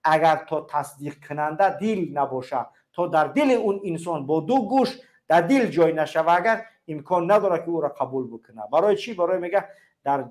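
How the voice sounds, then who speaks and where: A man's voice: on the high side, expressive. A man with a Tajik accent hosting a call-in show, talking in an emphatic, preachy way and piling up repeated phrases. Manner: emphatic and repetitive, stacks up parallel phrases. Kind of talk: preachy political call-in talk.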